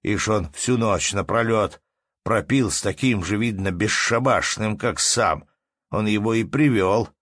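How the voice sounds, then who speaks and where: A man voicing a hot-tempered innkeeper who scolds loudly in folksy speech. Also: fairly low pitch, a little slow, dry recording, studio quality. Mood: angry.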